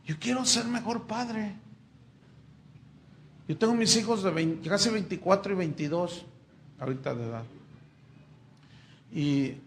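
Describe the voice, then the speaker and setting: Middle-aged pastor preaching in church, kinda high gravelly voice, keeps asking the crowd questions, bit of hiss. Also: male voice. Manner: conversational preaching with frequent rhetorical questions. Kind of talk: sermon.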